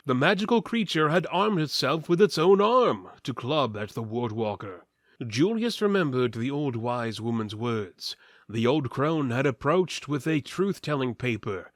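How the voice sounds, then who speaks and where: Theatrical man narrating with very animated intonation. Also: medium pitch, dry recording, studio quality. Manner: mock-epic, theatrical. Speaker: narrator, reader. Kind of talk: dramatic fantasy audiobook narration.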